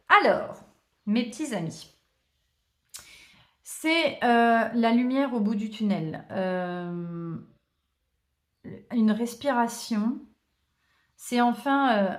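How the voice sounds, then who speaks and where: A woman chats her way through a tarot reading, thinking aloud and filling gaps with hesitations. Her voice sits slightly high. The room around her rings with noticeable echo. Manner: chatty, warm thanks, many hesitations and small laughs. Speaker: tarot reader. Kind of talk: casual card-reading chat to viewers. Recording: roomy echo.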